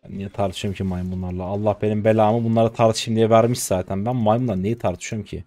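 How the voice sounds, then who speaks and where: A man in his twenties commenting live on his own gameplay, exasperated, swinging between low mutters and loud outbursts at his teammates. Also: steady tone, fast talker, no room sound, faint music behind. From Turkey. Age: 20s. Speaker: game streamer.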